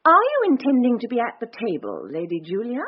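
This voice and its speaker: A proud young lady who speaks coolly and directly. Her breathy voice moves expressively, and the sound is dull like an old radio broadcast. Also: a little high, wildly swooping pitch, fairly quick, heavily acted. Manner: cool, forthright. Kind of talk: radio drama acting.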